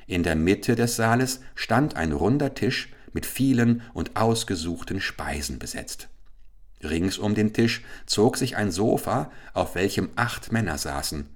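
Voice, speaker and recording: A man narrating a fairy tale for an audiobook in a calm, measured storytelling tone. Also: sits low.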